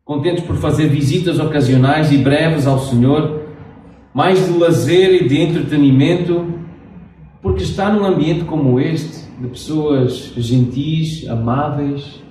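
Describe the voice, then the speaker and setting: A middle-aged man from Portugal with a European Portuguese accent, preaching a sermon with slow, emphatic pauses. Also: fairly high pitch, mellow, slight background noise. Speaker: pastor. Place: church sanctuary. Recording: very echoey church, distant mic.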